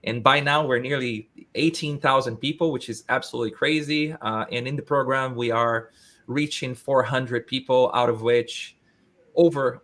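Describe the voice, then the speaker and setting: A man, hosting a casual interview in English, talking in an animated way with frequent restarts. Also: mid-range voice. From Brazil. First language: Portuguese. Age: 30s. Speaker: host.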